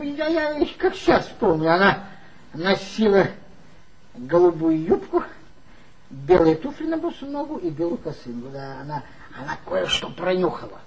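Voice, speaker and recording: A man's voice: sits high, highs cut off, full character voice. An actor playing a tipsy former magazine worker who mockingly gossips about his old boss in a 1960s radio play. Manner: gossipy, mocking, confiding storyteller.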